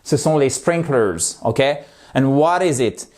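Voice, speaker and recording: A French man teaching English vocabulary. He switches between chatty explanations and slow, drilled repetition of words. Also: mid-range voice, expressive, darkish tone. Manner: slows down to model words, drills pronunciation; chatty, asks rhetorical questions. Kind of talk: vocabulary lesson.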